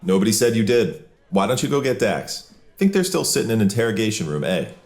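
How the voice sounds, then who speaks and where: Male actor as teasing, colloquial police buddy for audio drama, animated intonation, fairly low. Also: a little fast. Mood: wry. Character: easygoing male cop, wisecracking peacemaker among colleagues.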